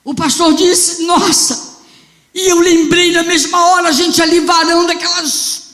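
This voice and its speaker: A woman's voice: extremely high pitch, level tone, measured pace. Fervent Brazilian woman preaching in a reverberant church. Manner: fervent, swells into loud exclamations. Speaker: bishop preaching. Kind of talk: storytelling sermon. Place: church sanctuary.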